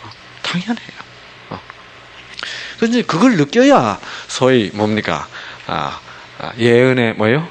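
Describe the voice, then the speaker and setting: A man preaching a sermon, asking the congregation constant rhetorical questions and dropping from loud emphasis to hushed asides. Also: medium pitch, big pitch swings, measured pace, vocal fry, slight background noise. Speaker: pastor.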